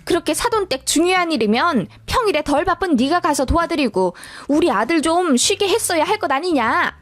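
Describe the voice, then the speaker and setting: A woman voicing an indignant, sharp-tongued older mother-in-law who scolds with incredulous questions, in a storytelling radio drama. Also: extremely high pitch, lively intonation, fairly quick, no room sound, voice pushed up. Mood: scolding.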